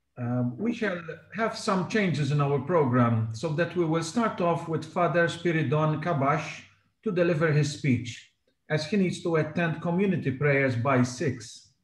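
A man speaks at a fairly slow pace with lively intonation, and audible room echo can be heard. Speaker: event moderator. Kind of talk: formal event hosting. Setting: video call. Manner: formal. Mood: polite, formal. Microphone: webcam.

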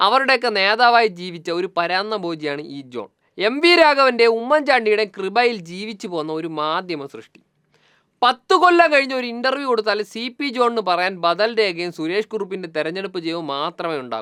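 Her pitch sits in the medium range for a woman but swings very widely. Her loudness also shifts by large amounts. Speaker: political commentator. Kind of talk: opinion monologue.

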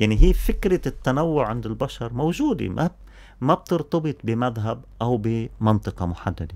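The speaker has a rural Lebanese accent. Delivery is fairly slow, with lively intonation. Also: man. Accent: rural Lebanese Arabic, pronounces qaf. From Lebanon, rural village (Druze community). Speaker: journalist and farmer. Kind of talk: radio interview. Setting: radio studio. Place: studio. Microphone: studio mic.

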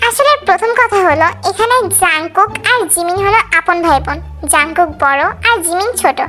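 A woman at an extremely high pitch and moderate pace, with clear music in the background. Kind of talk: casual YouTube story narration. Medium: read story. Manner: conversational, addresses listeners as guys.

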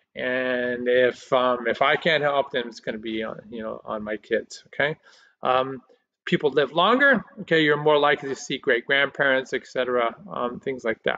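A man at a moderate pace and ordinary pitch variation, over a quiet background. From US. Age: 60s. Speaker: university professor. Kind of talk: lecture. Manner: informal. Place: home room. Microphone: webcam.

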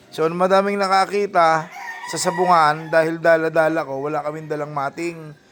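With noticeable background noise, a man talks at a moderate pace in a fairly high pitch and a monotone, flat intonation. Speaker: gamefowl breeder vlogger. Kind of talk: casual vlog walkthrough.

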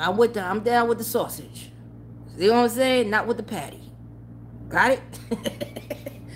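With a New York accent, a woman speaks at a moderate pace. She leaves long, frequent pauses. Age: 40s. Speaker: tarot live streamer. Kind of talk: casual livestream chat. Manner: animated.

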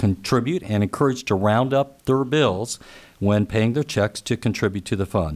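The background is quiet. A man talks at a moderate pace. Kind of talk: formal meeting announcement. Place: hall. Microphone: podium.

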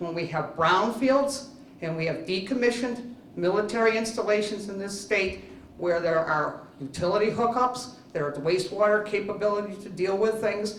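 A woman with an American accent talks at medium pitch with lively intonation, over noticeable background noise and audible room echo. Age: 60s. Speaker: farmer, public hearing speaker. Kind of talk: public hearing testimony. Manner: impassioned.

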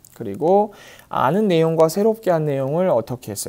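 A man speaks against a quiet background. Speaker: elementary school teacher. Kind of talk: lecture.

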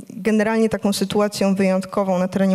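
In a quiet background, a woman with a dark, mellow tone speaks at a fairly quick pace in a monotone, flat intonation. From Poland. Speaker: historian. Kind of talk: panel discussion. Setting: stage with audience. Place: stage. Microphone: handheld.

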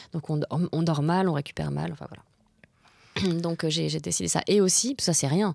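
A woman talks at a moderate pace with long, frequent pauses and big swings in loudness. The sound is dry, with no echo. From France, Ardèche; France. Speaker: actress and singer; actress. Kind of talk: interview conversation. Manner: hesitant, many fillers. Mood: calm, reflective. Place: studio. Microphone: studio mic.

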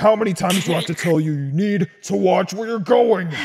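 Fairly quick speech from a man pitched high. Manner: sarcastic, exasperated.

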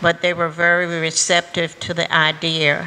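Over light background noise, a woman with a Southern US accent speaks at a fairly slow pace. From US South, Virginia (Prince Edward County). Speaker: civil rights plaintiff. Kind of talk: panel discussion. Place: hall. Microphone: handheld.

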